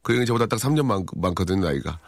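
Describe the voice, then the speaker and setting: A man in his forties hosting a live radio show, reading listener messages with dry, teasing deadpan humor. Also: low voice, rapid-fire, no echo. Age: 40s. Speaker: radio host. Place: radio studio. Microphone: studio microphone.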